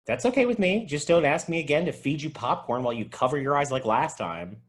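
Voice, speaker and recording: A man's voice: fairly high pitch, animated, a little fast, close to an everyday voice. A man playing a wry, film-buff video store clerk in a comedy table read. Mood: coaxing.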